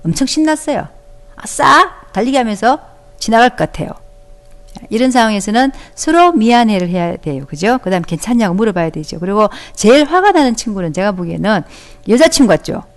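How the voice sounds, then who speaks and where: A woman's voice: medium pitch, lively intonation, a little fast. A woman teaching an audio-only class to young children, talking them through with encouraging questions and acting out their lines. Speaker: elementary school teacher. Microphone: close microphone, audio only.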